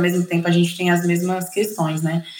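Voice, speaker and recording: A woman speaks with a fairly low pitch. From Brazil, Maranhão and São Paulo. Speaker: author. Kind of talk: interview. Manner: halting, many fillers.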